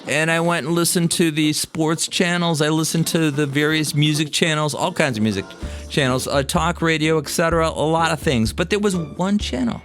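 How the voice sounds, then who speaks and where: American guy narrating his own story, kinda high voice, chatty and folksy, bit of music behind. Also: a bit bright. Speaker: podcast host and storyteller. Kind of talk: first-person narrated storytelling. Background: background music.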